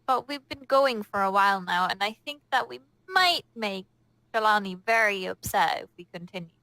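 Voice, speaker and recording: A woman's voice: medium pitch, lively intonation, moderate pace, bright, forceful tone, no room sound, rough recording. A woman playing a cautious, concerned female adventurer in a conversational manner during a tabletop game. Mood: doubtful.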